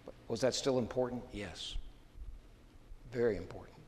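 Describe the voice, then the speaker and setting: A man's voice: mid-range voice, normal speed, a little mellow, slight background noise. A man delivers a sermon with an easygoing, conversational manner, telling personal stories and chuckling as he goes. His mid-range voice rings out with a long reverb tail, as if in a large church sanctuary. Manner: conversational storytelling, chuckles often. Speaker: pastor.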